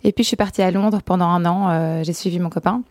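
A soft-spoken young woman from Belgium talks about her studies and career as a guest. Her voice is low-pitched and mellow, recorded dry and close. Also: steady tone, fast talker, no echo. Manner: soft-spoken, frequent "euh" fillers. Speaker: guest entrepreneur. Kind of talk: interview answers.

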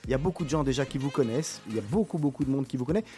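A man's voice: medium pitch, animated, very fast, dark tone, faint music behind. A man hosting an interview, asking questions in a hesitant, rambling way with many restarts. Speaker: interview host.

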